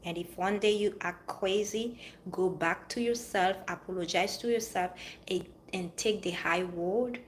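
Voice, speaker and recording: A vlogger from Haiti or France gives viewers life advice in an earnest motivational monologue, repeating her phrases for emphasis. She has a Haitian-French accent and a medium-pitched voice at a measured pace, and the recording carries a little hiss or hum.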